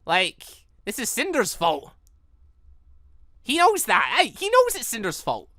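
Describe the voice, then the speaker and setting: Very animated, bright-voiced gushing gamer. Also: mid-range voice, measured pace, no echo, studio quality. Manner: gushing, exclaiming, rambling. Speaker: gaming channel host. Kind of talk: excited playthrough commentary of a visual novel, reading dialogue aloud. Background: music.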